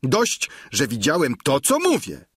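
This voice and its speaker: A man putting on an eager, high-voiced peasant squire. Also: wildly swooping pitch, a little slow, breathy edge, no echo, clean studio sound, heavily acted. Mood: eager boasting. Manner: high, eager, emphatic telling. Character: boastful simple peasant squire, excited.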